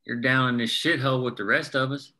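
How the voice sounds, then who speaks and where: A man's voice: mid-range voice, fairly even intonation, fast talker, sharp tone. A man playing an earnest, plain-spoken coal miner who rallies fellow workers with folksy working-class diction, in a script table read. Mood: firm, rallying.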